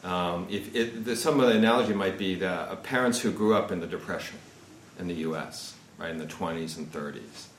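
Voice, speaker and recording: A man's voice: sits low, a little fast. A man in his fifties speaking at an informal seminar, rambling and peppering his talk with "you know" and "right". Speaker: guest speaker on investment. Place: seminar room. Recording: echoey room with faint noise.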